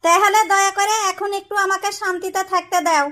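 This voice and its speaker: A woman's voice: extremely high pitch, flat delivery, a little fast, pushed and bright. A woman voicing a short-tempered, exasperated cartoon wife with a Rajshahi Bengali accent, speaking in curt complaints. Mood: weary annoyance. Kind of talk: comic cartoon dialogue.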